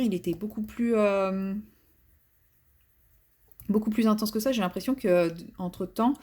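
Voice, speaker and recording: A woman's voice: medium pitch, dark tone. A woman talking casually while she colors, rambling and poking fun at herself, with many fillers. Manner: chatty, self-mocking, rambling with fillers and restarts. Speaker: coloring channel host. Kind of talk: casual color-along commentary.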